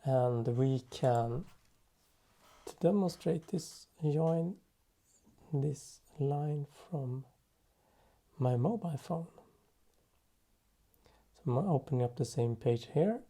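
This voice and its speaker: A man presenting an unscripted software tutorial in a halting way, thinking aloud as he works. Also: fairly high pitch, expressive. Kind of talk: unscripted software demo narration.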